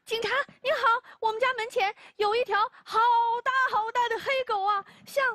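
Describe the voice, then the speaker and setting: A woman's voice: very high voice, fairly even intonation, moderate pace, a bit bright, dry recording, studio quality, pitched above the performer's own voice. A woman voicing a panicked father who stammers as he calls the police. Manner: frantic, stammering.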